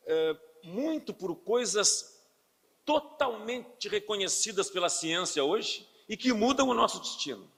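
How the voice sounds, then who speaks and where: Older southern brazilian guy giving a health talk, highish husky voice, lots of hall echo. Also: a bit bright. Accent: Southern Brazilian Portuguese. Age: 60s. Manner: earnest, explanatory, with rhetorical questions. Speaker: physician giving a lecture. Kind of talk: public health lecture. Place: lecture hall. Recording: hall reverb.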